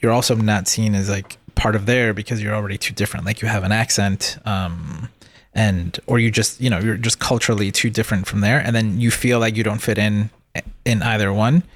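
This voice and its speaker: A man in casual chat, thinking aloud in halting, restarting sentences. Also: fairly low pitch, steady tone. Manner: halting, many fillers and restarts, thoughtful. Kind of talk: casual chat about a show.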